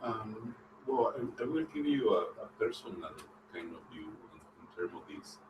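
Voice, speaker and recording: A man from El Salvador giving a personal account on a panel, halting and restarting phrases. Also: on the low side, expressive. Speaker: panel speaker. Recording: distant, noisy recording.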